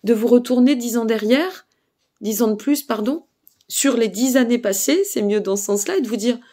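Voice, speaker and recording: A woman's voice: on the high side, moderate pace, dark tone. A tired woman with a Burgundian French accent, giving spiritual guidance advice to camera, hesitant with many fillers and checking in with her listeners. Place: seated indoors.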